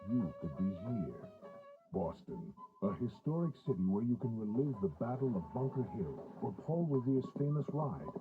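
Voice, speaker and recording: A man doing polished, theatrical voice-over for vintage radio commercials. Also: fairly low pitch. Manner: polished, theatrical announcer delivery. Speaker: voice actor. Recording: muffled, band-limited old demo tape. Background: music beds.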